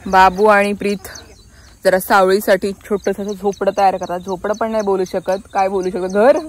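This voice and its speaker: A young woman vlogging outdoors on a village farm, chatty and quick to laugh as she calls out to her family. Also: medium pitch, level tone. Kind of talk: casual vlog narration.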